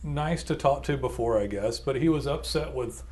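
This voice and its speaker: A man's voice: medium pitch, moderate pace, darkish tone. A man, co-hosting a casual business podcast and telling a client story in a rambling, self-mocking way with many restarts. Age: 40s. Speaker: podcast co-host.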